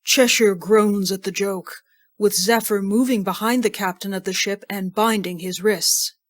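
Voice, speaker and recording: Medium-pitched woman narrator. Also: fairly even intonation, a little slow. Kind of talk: scripted audio drama narration.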